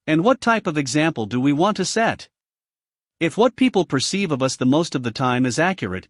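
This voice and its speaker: Man, Greek accent, audiobook narrator, animated, slightly high voice, dry close sound. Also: dry recording. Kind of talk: self-help audiobook narration.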